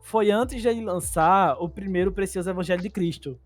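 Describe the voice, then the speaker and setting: A man from Paraíba with a Northeastern Brazilian accent, co-hosting a podcast and telling stories in an animated, laughing way. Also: high-pitched, brisk, faint music behind. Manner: animated storytelling, laughs often. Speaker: podcast co-host. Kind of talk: casual chat.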